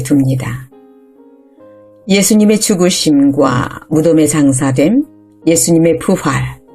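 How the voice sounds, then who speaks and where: A woman speaks at a very slow pace with a very deep, low pitch and ordinary pitch variation. Music plays in the background. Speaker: preacher / pastor delivering a sermon. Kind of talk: sermon, preaching to an audience.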